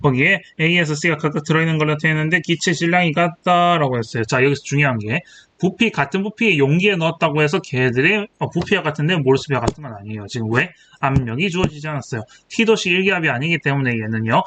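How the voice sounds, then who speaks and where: In a chemistry exam walkthrough lecture, a twenty-something tutor thinks aloud while writing, corrects himself and poses rhetorical questions to check in. He speaks quickly with lively intonation in a slightly high, fairly bright voice, over faint hiss.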